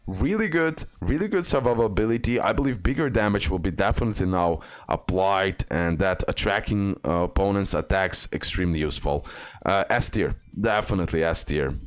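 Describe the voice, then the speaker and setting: Deep-voiced man talking through game skills. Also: expressive, moderate pace, clean tone, soft background music. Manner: reads skill text aloud with fillers and restarts. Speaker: gaming video host. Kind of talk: game tier list commentary.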